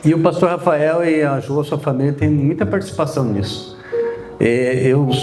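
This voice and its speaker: Music plays in the background as a man speaks with a fairly high pitch. The room echo is audible. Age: 60s. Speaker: pastor. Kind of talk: sermon.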